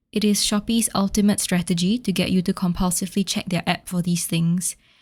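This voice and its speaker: Somewhat breathy and dark, mellow in tone, the voice moves at a moderate pace with fairly even intonation on a very clean recording with a silent background. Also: woman. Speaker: personal finance YouTuber. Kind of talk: reading a written manifesto.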